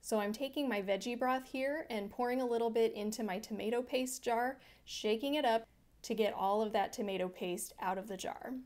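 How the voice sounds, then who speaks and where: A woman's voice: fairly high pitch, normal speed, darkish tone. A woman hosting a home cooking channel, narrating her meals in a friendly, chatty voice-over that explains each step. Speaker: vegan cooking channel host.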